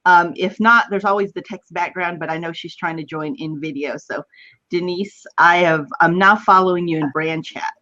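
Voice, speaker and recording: A woman's voice: lowish voice, steady tone, moderate pace, bright, forceful tone. A woman with a West Texas drawl, chatty and informal as she hosts a casual live stream. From West Texas, United States. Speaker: host of an online video chat. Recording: dull lo-fi web video call.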